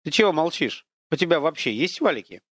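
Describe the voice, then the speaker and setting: A man voicing an invisible, boastful male war god who mocks and lectures in a pompous, drawn-out, declamatory way. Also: fairly high pitch, big pitch swings, fairly bright tone, dry recording, exaggerated voice. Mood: mocking.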